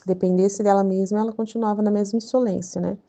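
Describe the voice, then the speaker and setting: A woman's voice: medium pitch, steady tone, quick pace, dark tone. A woman with a Brazilian Portuguese accent who reads devotional texts and comments on them in a chatty way. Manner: chatty, with many filler tags. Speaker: channel host reading religious texts. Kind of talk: devotional reading with casual commentary.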